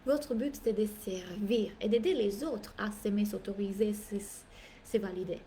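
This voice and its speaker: A woman's voice: medium pitch, moderate pace, slight background noise. A woman business coach speaking French as a second language, giving a live masterclass talk that is emphatic and playful, repeating phrases for effect. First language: not French. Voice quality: animated, playful, theatrical asides.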